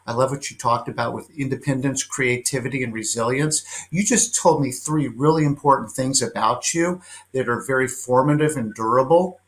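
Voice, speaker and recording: A man's voice: mid-range voice, moderate pace. A man hosting an interview over a video call, reading a guest introduction and then chatting in an eager, affirming way with many ums and uhs. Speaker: talk show host. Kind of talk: interview, opening with a read introduction.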